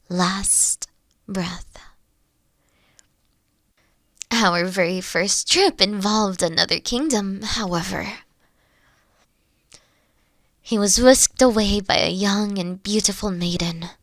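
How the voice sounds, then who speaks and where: Slow, intimate queen played by a woman. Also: mid-range voice, no room sound, clean studio sound. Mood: wistful. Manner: slow, soft-spoken, drifting into breathy whispers. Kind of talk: scripted roleplay audio drama, intimate one-on-one.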